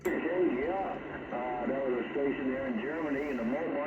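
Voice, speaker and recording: A man's voice: mid-range voice, brisk, muffled recording. A man from Newfoundland working as a radio operator, giving clipped callouts over noisy, echoing CB reception. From Newfoundland, Canada. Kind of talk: radio contact exchange. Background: heavy radio static.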